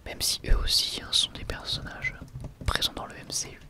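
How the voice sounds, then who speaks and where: Casting: ASMR host, soft library whisper throughout, casual unhurried book commentary with musing asides.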